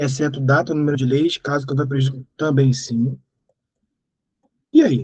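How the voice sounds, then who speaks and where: A somewhat breathy male voice. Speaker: teacher. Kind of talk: lecture.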